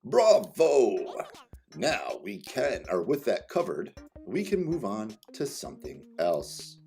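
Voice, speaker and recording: Male teacher for a game tutorial read-aloud, playful and highly animated, faint music behind. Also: slow. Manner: playful, exclamatory.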